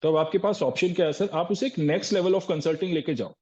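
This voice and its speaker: Male sales trainer at a live session: quizzes his listeners and answers himself, calls them "sir", low-fidelity recording. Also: moderate pace, mellow, muffled recording. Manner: asks rhetorical questions and answers them, often says "sir".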